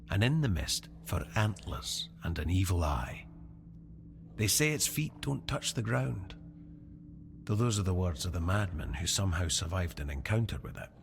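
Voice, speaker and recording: Fantasy game role: weary tribal warrior man, deep-set pitch, expressive swings, solemn and deliberate, some ambient noise behind. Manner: grave, deliberate, fatalistic. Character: weary, proud tribal warrior man camped at sealed doors.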